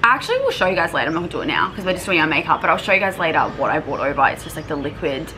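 A young woman in her twenties chatting to her viewers in a casual travel vlog, bubbly and fast to laugh, speaking to a camera on a balcony. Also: sits low, sing-song, noisy background. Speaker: vlogger. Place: hotel balcony. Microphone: camera on a tripod at table.

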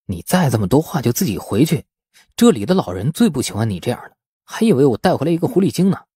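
Man voicing a sensible younger man, mellow-toned. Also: mid-range voice, sing-song, fast, breathy edge, no room sound, studio quality. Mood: scolding. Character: calm, sensible younger man, audiobook hero.

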